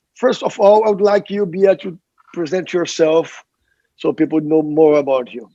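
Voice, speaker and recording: A man's high-pitched voice of dark, mellow tone at a moderate pace. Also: ordinary pitch variation. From Brazil, Bahia. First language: Portuguese. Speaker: conference host and insurance industry professional. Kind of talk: moderated panel talk. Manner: halting, with frequent restarts.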